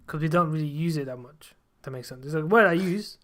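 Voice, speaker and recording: A man talks at a rapid clip in a relaxed podcast chat. He leans on slang and keeps pressing his point without pausing. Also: on the high side. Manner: fast, insistent, slangy, says "bro" and "innit". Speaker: podcast host. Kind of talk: casual chat.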